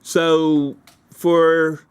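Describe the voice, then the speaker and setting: A man leading a writers' meeting in casual, halting talk, repeating himself as he thinks aloud and brainstorms. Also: fairly high pitch, flat delivery, clean tone.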